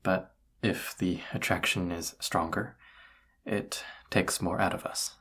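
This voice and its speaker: A man playing a tired, flustered incubus roommate in an intimate audio roleplay, speaking in a halting, awkward way with a husky, gravelly voice. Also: low voice, fairly even intonation, full character voice. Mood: awkward, explaining. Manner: hesitant, halting, soft-spoken, awkward. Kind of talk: roleplay audio drama, intimate one-sided dialogue.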